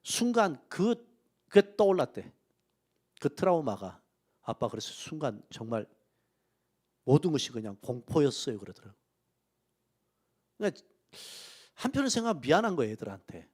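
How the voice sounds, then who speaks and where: Male pastor, middle-aged, lively higher voice, sermon with hushed asides and loud emphatic peaks. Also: normal speed, long pauses. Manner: emotional storytelling, swinging from soft asides to loud emphatic peaks. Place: church sanctuary.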